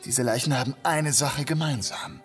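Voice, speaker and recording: An actor playing a young, polite but determined police inspector in a German audio drama. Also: male voice, medium pitch, moderate pace, soft background music, lightly acted. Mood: polite, probing. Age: young adult. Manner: polite, businesslike.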